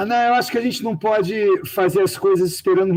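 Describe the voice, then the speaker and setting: A man is speaking at a moderate pace. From Rio de Janeiro, Brazil. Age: 50s. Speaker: writer. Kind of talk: interview.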